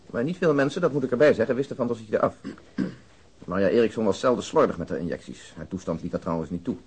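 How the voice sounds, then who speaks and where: An actor playing a police detective in a Dutch radio crime drama, explaining a case in a matter-of-fact way with dry asides. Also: male voice, on the low side, animated, quick pace, a little mellow, breathy edge. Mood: matter-of-fact, grave. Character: male police detective briefing colleagues on an old case.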